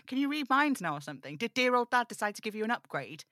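A woman's voice: a little high, big pitch swings, quick pace, fairly bright tone, dry recording, clean studio sound. A woman playing a burdened, defiant young male broadcaster in an audio drama table read, snappish and sarcastic. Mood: sarcastic, guarded.

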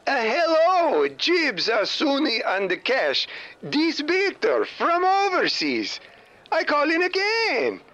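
A man's voice: very high-pitched, takes it slowly, exaggerated voice. A man putting on a cheeky overseas caller on voicemail. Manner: broken grammar, cheeky deadpan jokes. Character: brash comic male caller from overseas. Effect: played-back voicemail message. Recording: dull lo-fi voicemail playback.

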